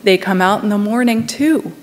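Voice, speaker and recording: A woman voicing a curious, chatty three-year-old girl who talks eagerly in a high, sing-song way. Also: normal speed, big-room sound, natural voice. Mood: excited.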